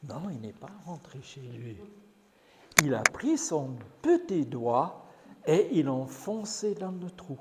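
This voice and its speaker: An older man with an English accent, a guest preacher telling a gentle story to children in church. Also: a little high. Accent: English-speaking. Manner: gentle, slow and lively storytelling. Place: church hall. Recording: church hall reverb, faint noise.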